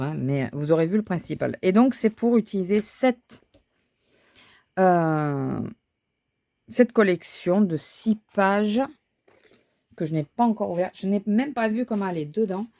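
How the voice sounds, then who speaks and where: A woman's voice: fairly low pitch, animated, a little slow, mellow, no room sound. A woman thinking aloud as she crafts, talking casually with frequent fillers and restarts. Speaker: crafting vlogger. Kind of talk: casual chat while crafting.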